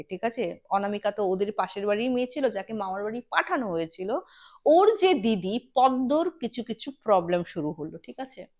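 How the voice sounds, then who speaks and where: A woman's voice: a little high, a little mellow. A woman casually recounting a true ghost incident to a listener, chatty and full of fillers, slipping English words into her talk. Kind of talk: casual conversational horror storytelling.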